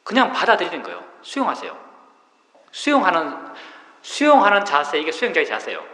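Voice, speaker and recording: Man, Buddhist monk, dharma talk, slightly high voice, lively pitch, rhetorical questions. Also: brisk. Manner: patient explaining, rhetorical questions. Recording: roomy hall reverb.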